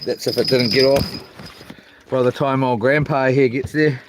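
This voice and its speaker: A man's voice: medium pitch, steady tone, moderate pace. Broad Kiwi man, laid-back and slangy. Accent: New Zealand. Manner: laid-back, slangy, talking to himself and viewers. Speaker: fishing livestreamer. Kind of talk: casual rambling livestream chat. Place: outdoors on a small boat on the water. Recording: noisy outdoor boat recording, water and clicks.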